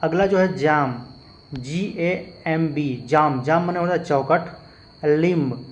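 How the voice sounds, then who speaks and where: A man's voice: on the high side, slow. A man teaching a lesson, patiently explaining and spelling out words letter by letter. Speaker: English teacher. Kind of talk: spoken lesson with spelled-out examples.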